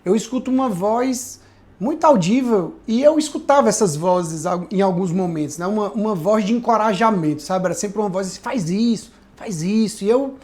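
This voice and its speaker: Speaking on a podcast, a male pastor shares his life story with earnest reflection, frequently tossing in tag questions to check in. The voice is high and brisk, with a darkish tone.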